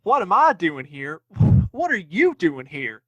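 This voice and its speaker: A cocky young frontier lawman, played by a man, pitched high for a male voice. He taunts in folksy Western talk with a bright, forceful edge, recorded close and dry. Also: huge pitch swings, measured pace, dry recording, full character voice, low-quality recording. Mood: taunting. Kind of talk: audio play Western acting.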